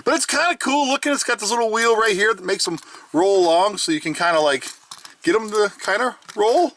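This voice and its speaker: A man's voice: sits high, animated, fairly quick, fairly bright tone, a little hiss or hum. A man hosting a toy review in a casual, chatty, enthusiastic and playful way. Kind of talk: casual review chat to camera.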